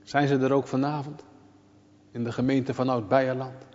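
Emphatic preacher in a reverberant church. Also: male voice, mid-range voice, level tone, normal speed. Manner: emphatic, swings between loud calls and quiet intimate asides. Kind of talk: sermon. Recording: dull lo-fi recording with long church reverb.

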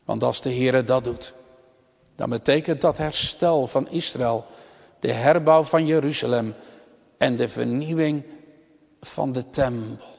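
A man delivers a sermon at an unhurried, solemn pace, pausing between phrases. His voice sits a little high and rings out with a long church reverb. The recording is dull and lo-fi. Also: creaky, a little mellow. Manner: slow, solemn, deliberate delivery with long pauses. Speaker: preacher.

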